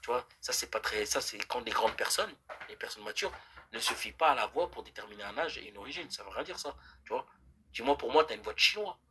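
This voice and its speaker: A man's voice: mid-range voice, fast, a little hiss or hum. A man live-streaming, arguing heatedly with his chat in a casual way, with many restarts. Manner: animated, argumentative, many restarts.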